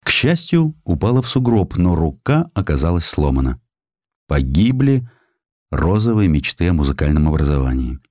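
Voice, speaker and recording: A man narrates history in a very low voice with lively, theatrical swings of intonation. The sound is dry and studio-close, and the delivery is scripted and expressive. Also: normal speed, no room sound. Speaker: audiobook narrator.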